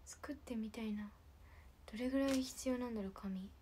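Soft half-whispering teen girl. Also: fairly high pitch, fairly quick, slight background noise. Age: late teens. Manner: soft, often half-whispered, rambling with many fillers. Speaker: idol group member. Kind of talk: late-night livestream chat.

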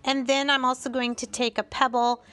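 A middle-aged woman narrating a home craft tutorial in a voice-over, calm and explanatory with small chatty asides. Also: high voice, normal speed, clear, resonant tone.

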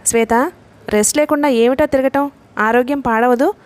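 A woman reading a novel aloud, voicing a middle-aged father who gently scolds his daughter. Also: high voice, normal speed, natural voice. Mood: reproving. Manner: gently reproving.

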